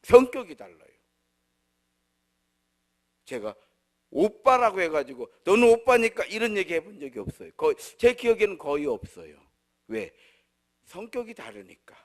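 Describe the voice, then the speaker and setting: A man preaching with a high-set, very lively voice that climbs and falls across a wide range. His delivery swings between raised declarations and quiet, low asides. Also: moderate pace, pauses often. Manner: animated preaching, from loud to soft and low. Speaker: pastor. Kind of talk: sermon.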